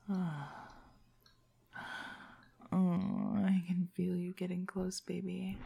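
A woman voicing a playful, devoted girlfriend, speaking in a hushed, whispery way. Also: fairly low pitch, creaky, husky, exaggerated voice. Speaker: voice actress in an intimate audio roleplay. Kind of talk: intimate whispered roleplay.

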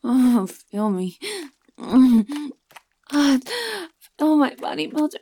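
Brief: woman as a domineering female life-draining creature, husky whispered delivery, slow and a bit high. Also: expressive, dark tone, heavily acted. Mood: seductive, domineering. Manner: breathy, whispered, domineering teasing. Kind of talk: erotic audio roleplay.

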